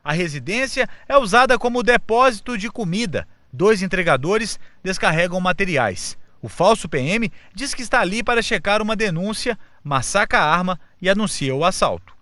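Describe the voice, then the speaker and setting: A male reporter with a Brazilian accent reading a scripted news voice-over in a measured, neutral way. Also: high-pitched, expressive, sharp tone, dry recording. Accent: Brazilian Portuguese.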